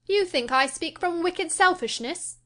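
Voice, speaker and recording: A woman's voice: very high voice, lively intonation, measured pace, fairly bright tone, voice pushed up, heavily acted. A woman reading an audiobook and voicing a proud, imperious young lady of the house who talks with scorn and emphasis. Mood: defiant. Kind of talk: audiobook character voice.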